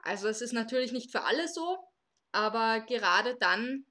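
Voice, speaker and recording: A bright, fairly high voice belongs to a podcast host in their late twenties from Austria. They moderate a live episode and explain things at length, with small fillers along the way. The tone is clear and forward. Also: female voice, lively intonation, moderate pace. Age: 20s.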